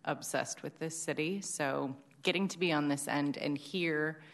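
A woman from Sacramento, an architect and new commissioner, introducing herself loudly and eagerly. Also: sits low, measured pace. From Sacramento, California. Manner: loud, eager, enthusiastic. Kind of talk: self-introduction at a public meeting.

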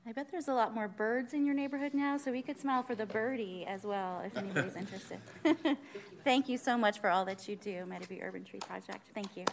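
A woman's voice: mid-range voice, fast talker, hardly any pauses, slight background noise. A woman commissioner at a city meeting, calling up awardees in a chatty, cheerful way. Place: city council chamber.

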